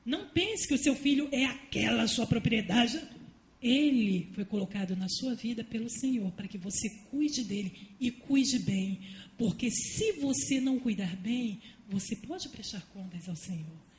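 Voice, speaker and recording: A woman giving a fervent sermon at a women's church service, mixing homely stories with loud appeals. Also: a little high, animated, unhurried. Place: church hall. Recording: echoey church room, faint noise.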